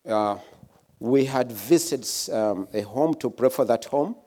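A man preaching a sermon in short, emphatic phrases, pausing after each one for his interpreter. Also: mid-range voice, mellow. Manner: emphatic, preaching in brief bursts with pauses. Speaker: guest preacher, former missionary.

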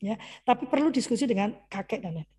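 A middle-aged woman giving a chatty parenting talk over a video call, lively and quick to mimic children's voices. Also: a little high, slightly rough. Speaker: parenting speaker. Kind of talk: conversational online parenting talk.

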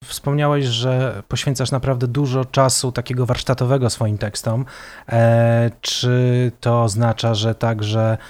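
A man, the interviewer, asking measured, probing questions. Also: medium pitch, little pitch movement, a little mellow.

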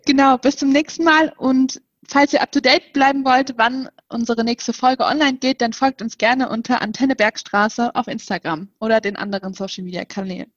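A woman's voice: on the high side, steady tone, normal speed, hardly any pauses, no echo, muffled recording. A woman in her twenties co-hosting a podcast, hesitant, with many fillers. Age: 20s. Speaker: podcast co-host. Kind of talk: casual podcast chat.

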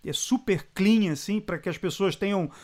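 A man, a sports journalist chatting as an interview guest. He is animated, laughs often and drops words from other languages. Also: high-pitched, moderate pace. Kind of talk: casual interview chat.

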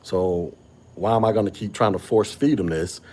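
A man's voice: low-pitched, fairly even intonation, moderate pace, a little mellow. A man hosting a casual podcast chat, talking with a slight stutter and frequent restarts. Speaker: podcast host. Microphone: podcast microphone.

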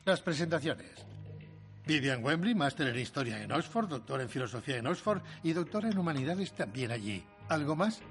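Rambling posh old nobleman, gravelly, lively ups and downs, music behind. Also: on the high side, fairly quick. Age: older. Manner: rambling, theatrical, genteel. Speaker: eccentric old aristocrat. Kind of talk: Spanish film dub. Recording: film soundtrack with music under.

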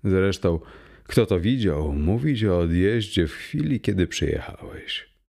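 A warm, joyful young man from a storybook, his voice low and deep, as a male reader puts him on. He talks slowly and gently, dropping to a near hush in his quieter moments. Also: lively intonation, creaky, full character voice. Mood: warm cheerful.

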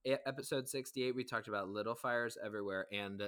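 A chatty man co-hosting a podcast over a phone live stream. He runs loosely through old episodes, casual and rambling, with a mid-range pitch. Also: fast, fairly bright tone, smooth. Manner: chatty, recapping past episodes in a loose list. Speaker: podcast co-host.

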